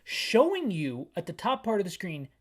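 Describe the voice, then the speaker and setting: A man talks through a video game for listeners who can't see it. He describes each screen and wanders into wry, self-mocking tangents in a relaxed, chatty commentary. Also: high-pitched, normal speed. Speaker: gaming channel host.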